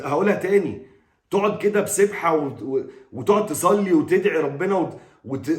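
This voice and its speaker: A man's voice: on the high side, reverberant. A middle-aged Egyptian man giving an exasperated, scolding football opinion monologue. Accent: Egyptian Arabic. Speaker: football commentator.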